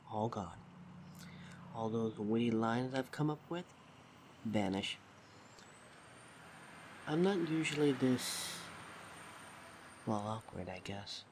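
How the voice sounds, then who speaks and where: Woman acting a slow, shyly flustered date. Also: very deep voice, a little mellow, a little hiss or hum. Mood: flustered, sheepish. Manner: awkward, hesitant, halting delivery. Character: shy, flustered, affectionate woman on a romantic date. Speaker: audio roleplay voice actor. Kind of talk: intimate ASMR roleplay acting.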